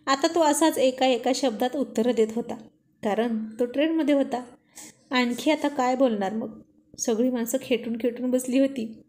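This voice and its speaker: A woman storyteller reading a romance story aloud in an intimate, unhurried way. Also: high voice, a little mellow.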